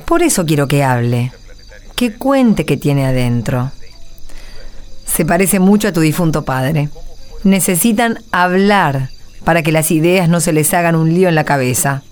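Radio drama: rural Argentine mother of grown children woman performer, lowish voice, very varied melody, plain-spoken, steady. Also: a little slow. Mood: concerned.

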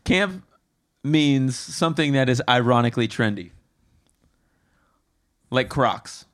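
A man's voice: medium pitch, expressive, slow pace. A man co-hosting a casual podcast chat, teasingly quizzing his co-host on slang.

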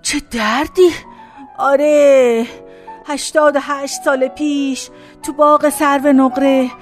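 A woman's voice: sits high, steady tone, soft background music, close to an everyday voice. A woman playing a rambling, pained very old woman. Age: older. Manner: rambling, folksy, drifting between memories and complaints.

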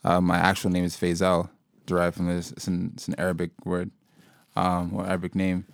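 A young man from Sudan, a local hip-hop artist, talking about his music in a relaxed, rambling way with many fillers and restarts. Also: low voice, brisk, gravelly, dry recording, clean studio sound. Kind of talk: casual interview conversation.

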